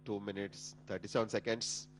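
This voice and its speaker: Low-voiced Indian man giving live launch commentary. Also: level tone, moderate pace, poor audio. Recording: humming background noise.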